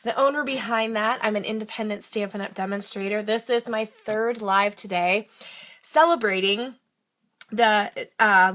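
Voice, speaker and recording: A middle-aged woman with a slightly raspy voice from a recent illness chats eagerly through a live craft demonstration. She talks at an ordinary pitch, stops and restarts her sentences, and keeps a friendly, easygoing pace. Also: fairly bright tone. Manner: chatty and enthusiastic, with frequent fillers. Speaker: independent craft demonstrator hosting a live stream. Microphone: phone or tablet livestream.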